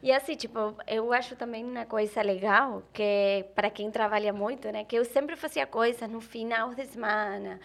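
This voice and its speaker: A woman's voice: fairly high pitch, steady tone, normal speed, gravelly, hardly any pauses, fairly bright tone. A woman from Argentina with an Argentine accent, a Spanish native speaker chatting casually as a podcast guest.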